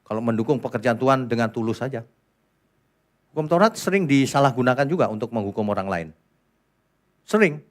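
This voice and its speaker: A middle-aged Indonesian man preaching a sermon as pastor, animated, jumping between loud scolding outbursts and quiet asides full of rhetorical questions. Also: mid-range voice.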